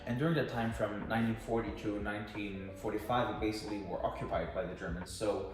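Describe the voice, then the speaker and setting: A man's voice: on the low side, fairly even intonation, fast, recorded from a distance. A man in his early twenties with a Danish accent, chatting as a podcast host and often searching for words in a second language. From Aarhus, Denmark. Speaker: podcast host, volunteer English teacher. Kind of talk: casual podcast conversation. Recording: very echoey room, off mic, music behind.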